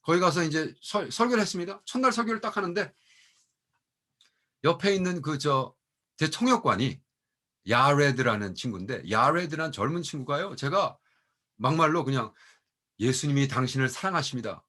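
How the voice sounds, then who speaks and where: A middle-aged man, a pastor and mission professor, telling testimony stories in an animated way and acting out the people he quotes. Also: fairly high pitch, moderate pace, pauses often. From Korea. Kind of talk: storytelling testimony talk.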